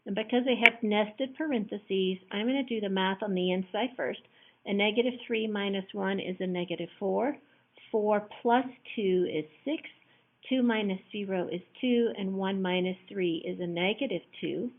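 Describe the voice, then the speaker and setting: A hoarse woman teacher patiently explaining matrix math step by step in a recorded lesson. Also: mid-range voice, moderate pace. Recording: tinny phone-like audio.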